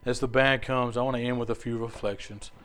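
A man's voice: mid-range voice, little pitch movement, a little fast, fairly bright tone, smooth. A man preaching a sermon to his congregation in an earnest, conversational way, with casual asides.

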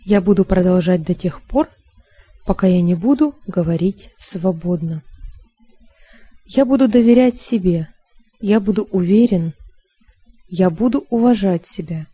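A woman reading a language-learning text aloud in a slow, calm, deliberate way. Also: fairly low pitch, slightly rough, dry recording.

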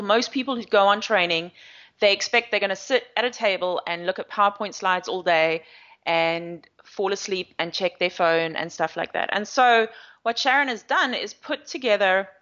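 This is a South African woman with a mid-range voice and a sharp tone, working as an agile coach. In the interview she rambles chattily, explaining at length with many fillers, and the audio is slightly dull.

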